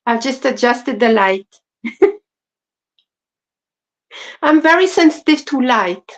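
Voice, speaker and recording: A woman with a French accent co-hosting a casual crochet livestream, soft-spoken and apologetic with many fillers. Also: high voice, animated, normal speed. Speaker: co-host. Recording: dull lo-fi stream audio.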